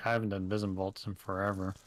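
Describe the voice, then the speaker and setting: A man's voice: low voice, flat delivery, fast talker, no room sound. A man chatting casually with a friend during a game stream, easygoing and a little hesitant. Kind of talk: casual gaming chat. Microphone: desk microphone.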